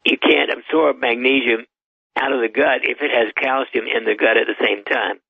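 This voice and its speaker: A man's voice: mid-range voice, steady tone, normal speed, creaky, breathy edge, no room sound. A man in his eighties, a doctor guest on a radio call-in show, giving matter-of-fact health advice with the odd chuckle. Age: 80s. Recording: tinny phone line.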